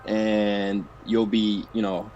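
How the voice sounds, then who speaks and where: A man coaching a fighting-game player in a casual online session, talking in a relaxed way with lots of fillers while chewing mints. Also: on the low side, slow, dull audio, soft background music. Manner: relaxed, filler-heavy talk.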